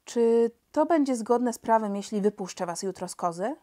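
A woman's voice: on the high side, lively intonation, moderate pace, dark tone, close to an everyday voice. A woman voicing an earnest young boy king. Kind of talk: audiobook character reading.

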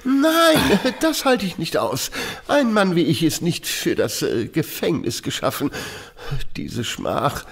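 An actor playing a vain, self-pitying celebrated artist in an audio drama, with a theatrical, stammering manner. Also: male voice, fairly high pitch, big pitch swings, slow pace, gravelly, husky, full character voice. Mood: despairing, self-pitying. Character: pompous, whining, vain celebrated male tattoo artist.

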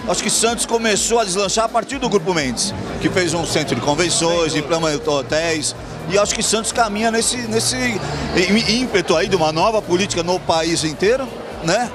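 A man's voice: sits high, animated, brisk, a crowd in the background. A man in his fifties hosting a local TV show, chatty and opinionated, interviewing a guest at a party. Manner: chatty, leading questions, offers his own opinions. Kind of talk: red-carpet interview. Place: indoor event hall, crowded party. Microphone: handheld mic. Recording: music behind.

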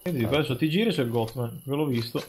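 A man's voice: medium pitch, very fast, noisy background. A man talking casually and insistently as a co-player on a game livestream, often repeating himself. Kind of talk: casual gameplay banter.

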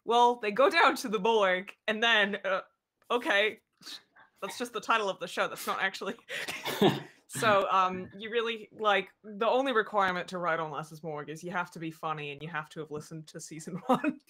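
A woman's voice: mid-range voice, brisk, fairly bright tone. A woman talking casually as a podcast writer, explaining things on a video-call panel. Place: indoor room at home, video call.

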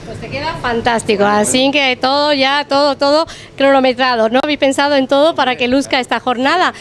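A woman's voice: high voice, brisk. A middle-aged woman TV reporter interviewing chefs in a restaurant kitchen, upbeat and full of compliments, on a handheld mic. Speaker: TV reporter host.

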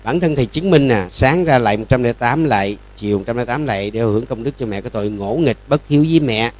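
A man's voice: medium pitch, lively intonation, fast. An older man with a Southern Vietnamese accent, a Buddhist monk giving a sermon in a folksy storytelling way, acting out the people in his stories.

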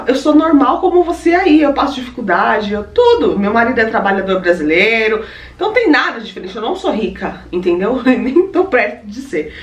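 A young Brazilian woman with a Brazilian Portuguese accent, chatting effusively to her viewers in a casual unboxing vlog at home. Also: medium pitch. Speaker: vlogger. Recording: roomy echo, distant mic, faint ambient noise.

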